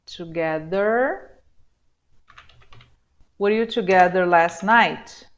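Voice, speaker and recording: A Brazilian woman teaching an online language lesson. She stretches out her model words slowly and checks in often with "tá?". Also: mid-range voice. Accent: Brazilian Portuguese. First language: Portuguese. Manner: slow drawn-out model words, frequent "tá?". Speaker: English teacher. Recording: slightly dull lo-fi sound.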